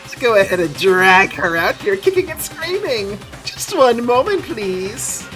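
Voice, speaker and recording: A woman's voice: medium pitch, sing-song, a little slow, music in the background, voice pushed up. A woman voicing a gleeful, sarcastic mascot villain from a game, with a teasing sing-song delivery. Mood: teasing, mock cheerful. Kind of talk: amateur game character voice-through.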